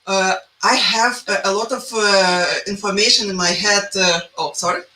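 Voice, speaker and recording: A woman from Lithuania with a Lithuanian accent, a guest speaking halting non-native English with many pauses. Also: medium pitch, bright, forceful tone. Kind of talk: hesitant guest talk. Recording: roomy distant call audio with faint noise.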